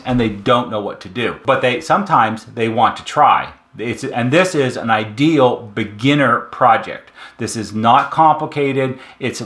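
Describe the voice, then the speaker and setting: A man's voice: mid-range voice, fairly bright tone. A man talking informally to viewers as a repair technician in an instructional video, emphatic and fond of repetition and rhetorical questions. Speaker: repair shop technician presenting a how-to video. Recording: roomy, echoing room sound.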